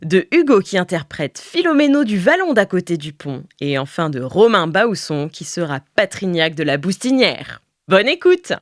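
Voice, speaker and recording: A woman's voice: on the low side, very animated, normal speed. A woman narrates an improvised tabletop story as game master. She is casual and jokey, hesitating and stretching words while she builds each scene.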